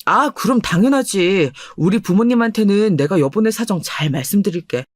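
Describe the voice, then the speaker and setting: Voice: medium pitch, expressive, moderate pace, no echo, clean studio sound, natural voice. A performer voicing a humble, sweet-natured young husband who speaks eagerly and earnestly in a storybook radio drama.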